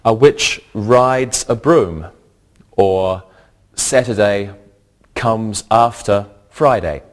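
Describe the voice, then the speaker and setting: Male lesson host, deep-ish voice, very slow, careful classroom delivery. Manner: slow, carefully pronounced, repeats words for learners. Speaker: English teacher and host. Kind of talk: scripted language lesson.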